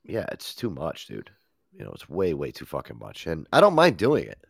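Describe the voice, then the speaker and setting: A man's voice: very deep voice, wildly swooping pitch, normal speed, gravelly, breathy edge, no room sound, clean studio sound. A man hosting a radio show in casual, profane chat, stuffed up with a head cold. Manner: swears often, laid-back rambling.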